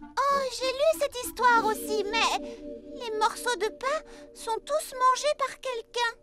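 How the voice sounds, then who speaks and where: Very high-pitched determined cartoon girl. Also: takes it slowly. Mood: worried, hopeful. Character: caring, determined young girl heroine searching for lost pets. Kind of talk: French cartoon dubbing. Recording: loud music behind the voice.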